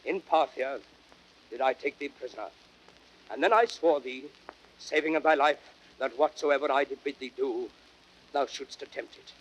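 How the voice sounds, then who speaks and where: An actor playing a defeated, anguished Roman general in declamatory old radio Shakespeare style, on a hissy vintage recording. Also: male voice, medium pitch, moderate pace, natural voice, poor audio. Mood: commanding, resolute. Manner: declamatory, grandly theatrical. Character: anguished defeated Roman general facing his own death. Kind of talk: 1930s radio Shakespeare acting.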